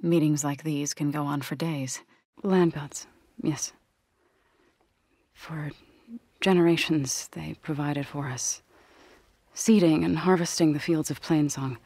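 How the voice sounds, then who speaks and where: A solemn tribal grave singer from a video game, with a low, husky voice. She is gentle and earnest, choosing formal words with care. The sound is dry and close. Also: steady tone, no room sound, heavily acted. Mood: grave, worried. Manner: measured, earnest, formal phrasing. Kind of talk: video game character dialogue.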